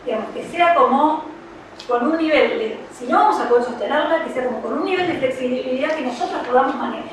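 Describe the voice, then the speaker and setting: A woman with a Rioplatense Spanish accent talks informally to parents, explaining child-rearing ideas in a loose, conversational way full of fillers. Her voice sits high. She is picked up from a distance in a very echoey room with a faint hum of ambience behind her. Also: brisk. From Argentina. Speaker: child psychology professional.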